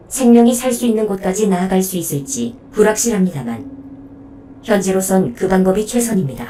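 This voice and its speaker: Woman playing a mellow, formal protector robot. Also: mid-range voice, far from the mic, a little hiss or hum, lightly acted. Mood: calm, advising. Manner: formal, measured, matter-of-fact reporting. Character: polite, unflappable combat robot turned human protector. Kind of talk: audio drama acting.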